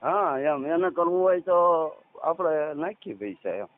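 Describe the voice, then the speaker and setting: A man in his thirties with a Saurashtra Gujarati accent, talking casually as a caller in halting, repeated short phrases. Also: fairly high pitch, animated. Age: 30s. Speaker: caller, farmer. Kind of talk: casual phone conversation. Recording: tinny, narrowband phone call recording.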